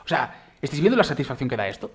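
Fast-talking excitable Spanish man gamer. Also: mid-range voice, slightly rough. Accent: Spain Spanish. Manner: excitable, exclamatory, rambling. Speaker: gaming youtuber. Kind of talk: let's-play gameplay commentary.

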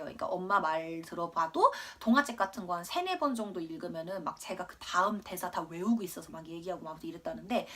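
Casually storytelling in a lesson video, this English tutor in her twenties speaks in a mid-range, slightly bright voice. Originally from Korea but raised in Australia, she chats and rambles, poking fun at herself and laughing.

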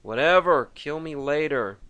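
A man's voice: a little high, unhurried, a bit bright, clear, resonant tone, no echo, pitched above the performer's own voice. A man voicing a cocky human male mercenary leader with a brash, teasing manner.

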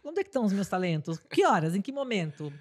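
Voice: mid-range voice, sing-song, fast, darkish tone. A podcast co-host with a Brazilian accent, playful and teasing, given to dramatic exclamations. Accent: Brazilian Portuguese. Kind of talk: casual interview chat.

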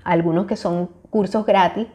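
A woman in her forties speaks straight to camera through a lapel mic in a small room. Her voice is warm and mellow, earnest and encouraging, with hesitant fillers between her thoughts. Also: on the low side, fairly even intonation, normal speed. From Venezuela. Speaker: YouTuber. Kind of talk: casual talk to camera.

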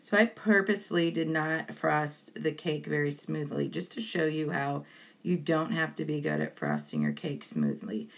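A woman narrates an informal how-to voice-over. Her pitch sits quite low and often drops into vocal fry. She is chatty and encouraging, explaining each step as if to a beginner. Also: expressive, moderate pace. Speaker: baking tutorial host.

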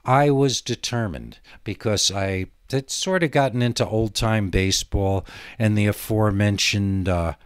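A man's voice: medium pitch, clean tone, no echo, clean studio sound. A man hosting a solo podcast in a casual, rambling monologue, hesitant and full of digressions. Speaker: podcast host.

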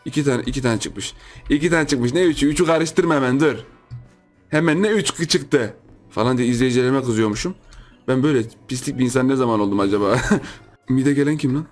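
A man hosting a gaming channel, giving lively gameplay commentary, repeating himself and yelping in surprise while chatting to his viewers. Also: medium pitch, a little fast, faint music behind. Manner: excitable, repeats phrases, shouts in surprise; chatty, addresses viewers as friends.

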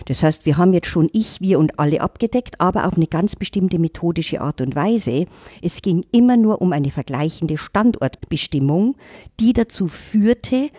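Low husky woman telling her story. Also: warm tone, no room sound, studio quality. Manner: reflective, storytelling, emphatic. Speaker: intercultural trainer, guest. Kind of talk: casual podcast talk.

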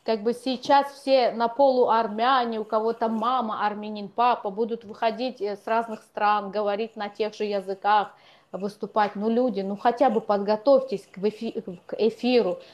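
A woman's voice: mid-range voice, fairly even intonation, normal speed, a little mellow, dull audio. A woman in her thirties hosting an argumentative live stream, insistent and exasperated, speaking into an earphone headset. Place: small indoor room at home. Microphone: wired earphone headset.

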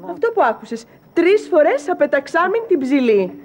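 An actress playing a jealous wife in a TV sitcom who scolds her husband with sharp sarcasm. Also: extremely high pitch, sing-song. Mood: demanding. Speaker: actress in a TV comedy series. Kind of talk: sitcom acting. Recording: dull broadcast audio with a crowd behind it.

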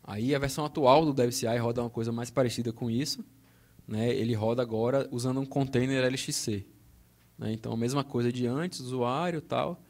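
This conference speaker has a Brazilian Portuguese accent and a darkish, mid-range voice, talking briskly and steadily. His technical talk includes a live demo on the auditorium stage, explained step by step with regular check-ins, first through a handheld mic and later the podium mic.

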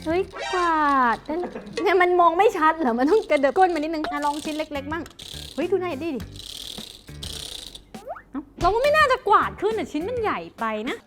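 A very high-voiced woman hosting a casual review vlog from home, bubbly and playful as she chats along. Background music plays clearly under her voice. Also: brisk. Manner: excitable, playful, talks to her dog and the toy. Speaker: product review vlogger. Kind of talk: casual chatty product review.

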